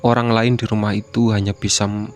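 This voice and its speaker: A man narrating a horror story as a scripted reading, with a steady, even delivery. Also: on the low side, a little fast, slight background noise.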